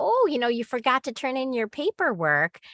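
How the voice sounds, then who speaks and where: Doing a put-on character voice in a Minnesota accent, a man projects a raised voice at an extremely high pitch with very wide pitch swings, keeping a moderate pace in a dry, close sound with no echo and a quiet background. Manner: chipper, cheerful.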